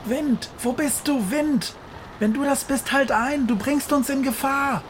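A man voicing a bold, commanding witch in a storybook reading, raising his voice into a higher register. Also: lively intonation, a little slow, a bit bright, a little hiss or hum. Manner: commanding, calls out over a storm. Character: bold old witch on a broomstick. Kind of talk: storybook voice acting.

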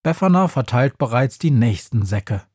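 A man reads a children's story aloud with a lively storyteller's touch. His voice is husky and breathy at a middle pitch, recorded close and completely dry. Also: moderate pace, no echo. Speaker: narrator. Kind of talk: audiobook narration of a children's story.

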